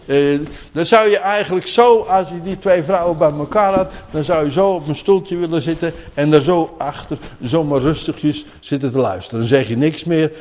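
A man's voice: on the high side, moderate pace. A man preaching an informal sermon, reading Bible verses and commenting on them in a conversational way, often asking his listeners questions and repeating key words. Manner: says "hè?" often, drops to a hush for emphasis.

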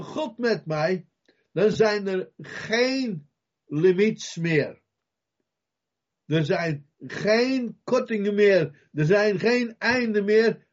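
On a muffled recording, a high-voiced man delivers a sermon with emphasis. He keeps repeating his key phrases, cries out loudly as he dramatizes Bible scenes, and questions his audience directly.

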